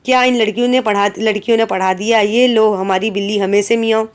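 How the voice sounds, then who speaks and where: A woman's voice: mid-range voice, fairly even intonation, quick pace, natural voice. A woman reading aloud as a stern, short-tempered old grandmother who scolds the girls in the house. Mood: angry. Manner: scornful, raised and scolding.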